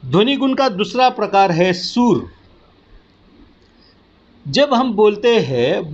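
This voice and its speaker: A male teacher gives a recorded lecture at a slow, deliberate pace. His voice sits fairly high, and he keeps stopping to check that his students are following. The sound is dull and lo-fi. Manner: slow, patient explaining with repeated check-ins.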